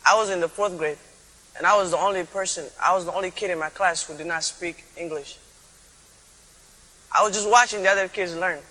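A young man from Kenya telling his own story as a former student, in a plain, steady way. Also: high-pitched, fairly quick, pauses often, big-room sound, poor audio. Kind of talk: recorded personal testimony.

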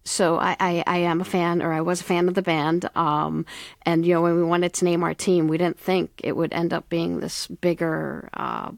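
A woman's voice: lowish voice, level tone, normal speed, creaky, no room sound, studio quality. A woman from the Middle East, a school founder and soccer coach, answering interview questions earnestly with many fillers.

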